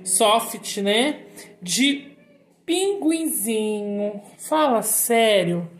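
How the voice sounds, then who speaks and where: A woman's voice: a little high, lively intonation, extremely slow, roomy sound. A woman casually vlogging at home, cooing at her pets in baby talk.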